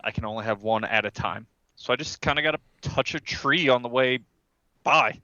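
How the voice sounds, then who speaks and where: A man's voice: medium pitch, normal speed, bright, forceful tone, no room sound, lo-fi sound. A man chatting casually as a player in a tabletop game.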